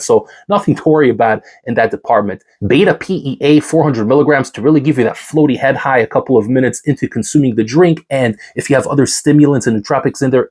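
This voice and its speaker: Man, husky, congested from a cold, hyped, energetic product-review talk. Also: medium pitch. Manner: hyped, energetic salesman-like delivery. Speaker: supplement reviewer.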